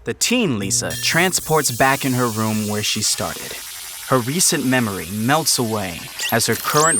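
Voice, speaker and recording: A man's voice: mid-range voice, noisy background. A man narrating a scripted audio fiction drama.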